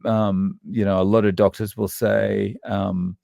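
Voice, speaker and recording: Australian male guest, low and very gravelly, halting and thoughtful delivery, dry close sound. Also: flat delivery, warm tone, no room sound. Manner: halting, thoughtful, many restarts and fillers. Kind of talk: casual interview conversation.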